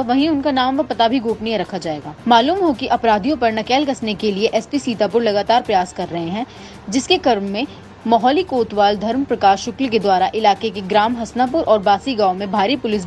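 A woman's voice: a little high, a little mellow. A woman narrating a scripted news report as a voice-over, in a formal newsreader style. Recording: clear background noise under the narration.

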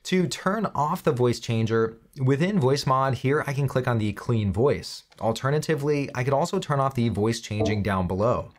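A man in his thirties presents a step-by-step tutorial with a medium-pitched voice. He addresses the viewer directly and explains each action in an instructional way, close on the microphone. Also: moderate pace, hardly any pauses. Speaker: tutorial host.

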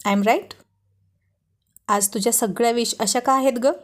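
A woman's voice: a little high, steady tone, unhurried, natural voice. A woman reading a storybook voices a teasing, protective young husband in an affectionate manner.

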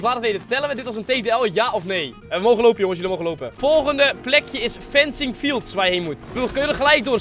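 A man, giving excitable live gameplay commentary in slangy speech sprinkled with English gaming words, close on a desk mic. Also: extremely high pitch. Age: 20s. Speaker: game streamer hosting an online hide-and-seek. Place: small room at a gaming desk, indoors. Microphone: close desk microphone.

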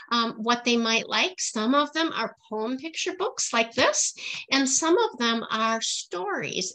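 A middle-aged woman talks casually as a guest author on a video call. Her voice sits slightly high and has a bright, forward tone. She explains herself in simple terms suited to young listeners. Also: rough recording. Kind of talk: casual question-and-answer chat for children. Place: small indoor room at home. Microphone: computer mic on a video call.

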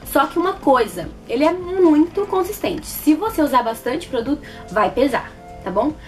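Casting: Brazilian woman, twenties, high voice, casual and expressive product-review delivery, light music bed underneath. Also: moderate pace. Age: 20s. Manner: expressive, repeats words for emphasis. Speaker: beauty vlogger reviewing products. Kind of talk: casual chat to camera. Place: small plain indoor room.

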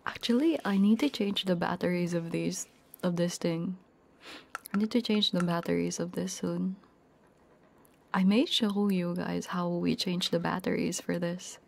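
A woman chatting casually to viewers as an ASMR streamer, in a soft, often whispered voice with a playful manner, very close to a binaural microphone. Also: lowish voice, a little slow, creaky. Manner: playful, giggly. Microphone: close binaural ear microphone.

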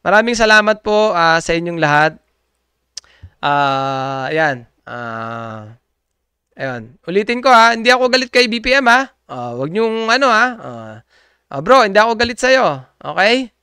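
A man's voice: high-pitched, big pitch swings, measured pace, sharp tone, clean tone, no room sound, clean studio sound. A man speaking casually and politely to viewers, rambling with many hesitations and fillers, often laughing. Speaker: community group member addressing viewers. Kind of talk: casual unscripted monologue.

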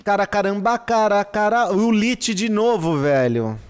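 A high-voiced man, talking in an unhurried, drawn-out way while he commentates a live gaming stream. He is excitable, exclaims often and swears at his results. The recording has a long reverb tail and faint music playing behind him. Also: clean tone. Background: faint background music.

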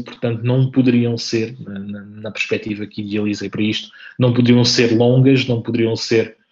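A man in his thirties presenting as an author on a video call, haltingly and repeating words. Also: on the low side. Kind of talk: informal presentation. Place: indoor room on a video call. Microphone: video-call microphone. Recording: slightly dull video-call audio.

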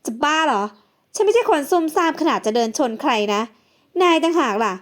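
A spoiled, high-voiced young soap star, put on by a storyteller, snapping and sneering at anyone beneath her. She sulks sweetly for those she favors. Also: big pitch swings, a little fast. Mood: scornful. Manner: snappy, scornful, whiny.

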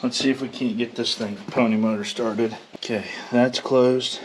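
A man's voice: medium pitch, steady tone, moderate pace. A man in his forties from Iowa, a farmer narrating his work outdoors in a casual, folksy way, talking to the camera. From Iowa, USA. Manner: plainspoken, folksy, thinking aloud while working. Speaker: farmer vlogger. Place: outdoors on a farm, by a barn and machinery. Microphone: head-mounted action camera. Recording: loud machinery noise. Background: engine and machinery clatter.

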